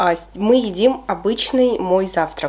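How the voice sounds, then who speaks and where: A woman is the one speaking. Her words come very slowly. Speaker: food vlogger. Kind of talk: casual vlog chat. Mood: relaxed, friendly. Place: home room.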